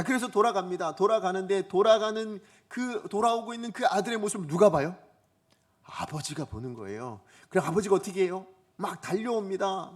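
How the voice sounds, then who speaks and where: Pastor, male, high husky voice; preaches with swooping intonation and acts out quoted lines. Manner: asks the congregation questions and acts out quoted voices. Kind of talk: Sunday morning sermon. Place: church sanctuary.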